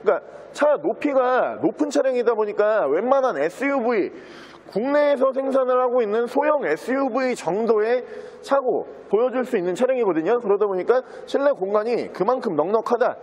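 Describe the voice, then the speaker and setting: High-pitched man with smooth car salesman patter. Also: a little mellow. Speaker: used car dealer presenting a car. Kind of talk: sales walkaround commentary.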